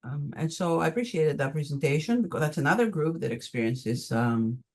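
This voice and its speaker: An older woman from Greece with a Greek accent, answering audience questions on a video call with many pauses and ums. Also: deep voice, animated, a little mellow. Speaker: conference presenter answering questions.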